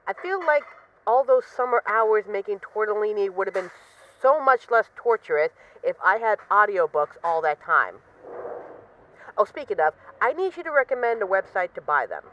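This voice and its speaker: A woman acts out a female crime boss with a lively, swooping delivery. She is wry and boastful, teasing her partner fondly as in an intimate audio roleplay, and the sound is slightly dull. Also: mid-range voice, a little hiss or hum, close to an everyday voice. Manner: wry, boastful, teasing, mock-indignant, swearing casually. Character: witty, self-assured female mafia boss, bored, affectionately teasing her partner.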